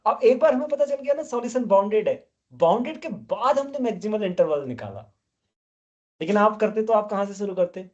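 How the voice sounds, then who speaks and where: A man's voice: high-pitched, lively intonation, fairly quick, darkish tone, muffled recording. A man teaching math to a class, scolding and quizzing the students as he goes. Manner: scolding, keeps questioning students. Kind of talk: classroom lecture.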